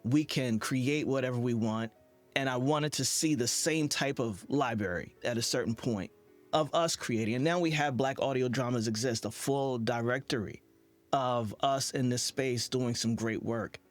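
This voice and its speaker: A man speaks as the host of an interview. His voice sits at a medium pitch and his delivery is conversational. There is light music behind him. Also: normal speed.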